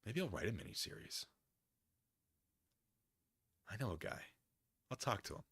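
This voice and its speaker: Man, American accent, bright voice, highly varied intonation, theatrical reading, wry digressive asides, excitable streamer, dry close sound. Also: normal speed, slightly rough, no echo. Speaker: online streamer reading a document with commentary. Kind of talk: dramatic document reading with casual off-the-cuff asides.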